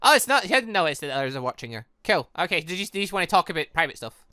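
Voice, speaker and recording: Let's-play commentator: chatty, rambling, stumbles often, bright and animated delivery, close dry sound. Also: medium pitch, very fast, no room sound. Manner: rambling, stumbles over words. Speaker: gaming channel host reading and reacting to a visual novel. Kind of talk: casual let's-play commentary with read-aloud dialogue.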